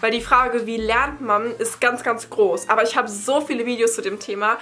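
A woman's voice: on the high side, fairly even intonation, normal speed, sharp tone. A young woman from Berlin talking casually and explaining things, like a vlogger answering questions to camera. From Berlin, Germany. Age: young adult. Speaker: study-advice vlogger. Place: bright attic room at home.

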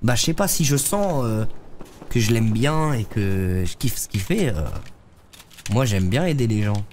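A man's voice: on the low side, expressive, measured pace, darkish tone, slight background noise. A young man, streaming a game live and chatting loosely with viewers in slangy talk while congested with a head cold. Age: young adult. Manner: slangy, loose, talks to chat while playing. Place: streaming room, seated in a gaming chair.

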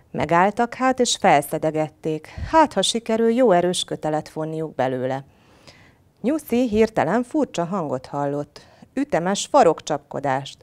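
A woman reading a children's folk tale aloud in a gentle, expressive storyteller manner. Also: lowish voice.

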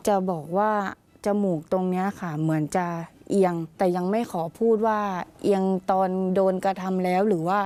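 A woman's voice: lowish voice, steady tone, normal speed, few pauses, warm tone. A young woman, a guest on a TV talk show, plainly retelling what happened to her in detail and politely. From Thailand. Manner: plain, detailed retelling, calls herself 'หนู', many polite 'ค่ะ'. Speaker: interview guest. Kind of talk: recounting an incident in a TV interview.

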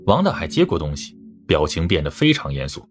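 A man's voice: very deep voice, huge pitch swings, brisk. A man reading a first-person crime novel as scripted narration. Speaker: audiobook narrator. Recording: music under the voice. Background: background music.

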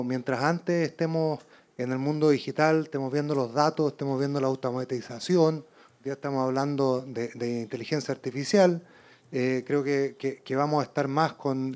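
A middle-aged man with a medium-pitched voice speaks into a handheld mic at a public talk. He is unscripted and halting, often doubling a word before he carries on. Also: a little mellow. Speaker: audience questioner. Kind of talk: spontaneous question and comment at a public talk. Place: auditorium. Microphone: handheld microphone.

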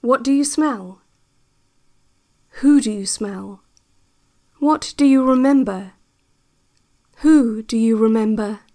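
An actress playing a calm, controlling narrator of a relaxation cassette in an audio drama, speaking in measured, deliberate phrases. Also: female voice, fairly high pitch. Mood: calm, instructive. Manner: measured, hushed guidance with deliberate pauses. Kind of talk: scripted guided-visualisation audio drama. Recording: voice over loud ambient music. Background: ambient new-age music.

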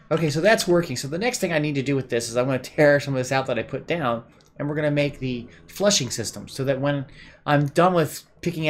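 Man losing his voice, relaxed game talk. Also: medium pitch. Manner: relaxed, explaining step by step with many "uh"s. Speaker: gameplay video host. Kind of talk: casual building commentary.

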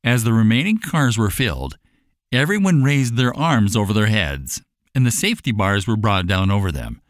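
A man narrating a scripted children's bedtime story in an animated storytelling manner. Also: on the low side, normal speed, no echo, clean studio sound. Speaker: audiobook narrator.

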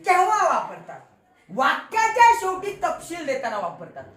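A woman's voice: high-pitched, huge pitch swings, normal speed, a bit bright. A woman teacher with a Marathi accent, playfully quizzing a class of children and teasing them. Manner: playful, teasing, quizzes pupils with call-and-response. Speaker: school teacher. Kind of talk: classroom grammar lesson. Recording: echoey classroom with children's voices.

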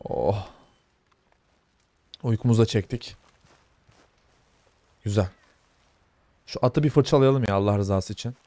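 A young man casually commenting on his gameplay, chatting to his viewers and softly calming a horse in the game. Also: on the low side, slow, pauses often, no room sound. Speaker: gaming YouTuber. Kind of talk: casual let's-play commentary.

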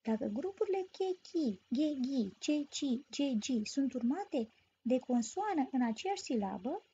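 A woman teaching a grammar lesson as a story, explaining clearly and patiently. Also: sits high, very animated, warm tone. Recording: dull lo-fi recording.

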